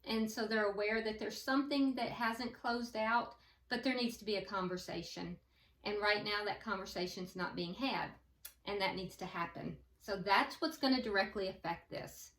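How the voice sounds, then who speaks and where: A woman with a medium-pitched voice reads tarot as a fortune teller. She pauses to think aloud and speaks straight to the listener with advice. The sound is echoey and set back from the microphone. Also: fairly bright tone. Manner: hesitant, thinking aloud as cards are read; advising the listener directly. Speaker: tarot reader. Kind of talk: tarot card reading, fortune-teller talk. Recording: roomy echo, distant from the mic.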